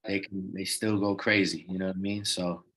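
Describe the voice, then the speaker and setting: A man's voice: deep voice, level tone, normal speed, fairly bright tone. A young man raised in the Netherlands, a rapper talking as an interview guest in a laid-back, loose way with lots of "you know what I mean" fillers. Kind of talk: casual interview talk.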